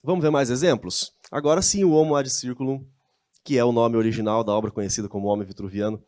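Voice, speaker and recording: A man's voice: medium pitch, fairly even intonation, fast talker, a little mellow, no room sound, studio quality. A man with a Brazilian Portuguese accent giving a conversational lecture, often asking his audience rhetorical questions. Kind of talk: church-hosted lecture with slides.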